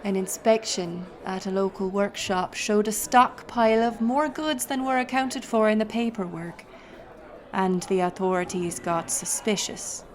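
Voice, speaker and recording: Roguish female smuggler captain, played by a woman, medium pitch, unhurried and wry, theatrical storyteller for pirate audio drama. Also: natural voice. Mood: teasing, wry. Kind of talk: in-character audio roleplay storytelling.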